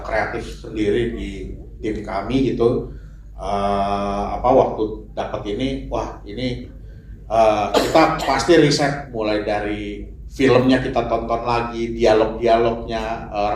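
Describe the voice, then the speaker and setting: A man of middle pitch explains how his team worked, pausing often with fillers. His voice echoes in a large room, and faint background ambience carries under it. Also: a little hiss or hum. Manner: halting with fillers. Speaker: animation director. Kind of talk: press conference answer. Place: press conference room.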